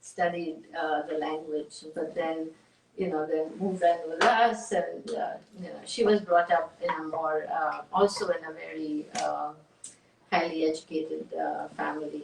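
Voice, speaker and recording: A woman at a fairly slow pace, big swings in loudness, and noticeable background noise. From India, Calcutta. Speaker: poet. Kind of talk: Q&A discussion after reading.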